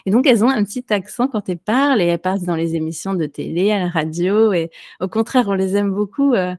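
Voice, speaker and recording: A woman who teaches French, answering interview questions casually with many pauses and fillers. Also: medium pitch, a little mellow, no echo, clean studio sound. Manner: hesitant, many fillers and restarts, light laughs. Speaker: French teacher and podcaster, guest.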